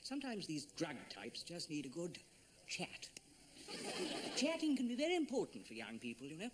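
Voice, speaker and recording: A breezy, smug rival teacher. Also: male voice, a little high, big pitch swings, measured pace, crowd noise, background noise. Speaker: rival job candidate.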